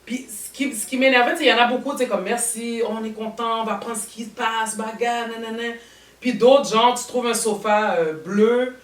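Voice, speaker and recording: A woman hosting a casual panel chat, talking in animated, rambling bursts. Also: fairly high pitch, normal speed. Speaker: talk show host. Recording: roomy studio sound, mic at a distance.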